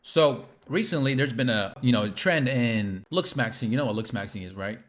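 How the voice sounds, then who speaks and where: A man's voice: mid-range voice, normal speed, fairly bright tone. A young man hosting a casual interview, laid-back and joking with slangy asides. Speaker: podcast host.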